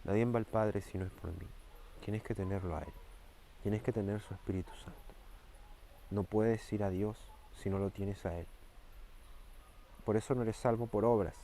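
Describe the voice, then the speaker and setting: A man preaching a fervent sermon, repeating key phrases and slowing down and rising for emphasis. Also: fairly low pitch, fairly even intonation, dark tone, slight background noise.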